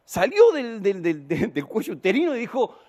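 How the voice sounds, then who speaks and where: A middle-aged pastor with an Argentine accent, giving an animated, joking sermon. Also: male voice, high-pitched, normal speed. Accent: Argentine Spanish.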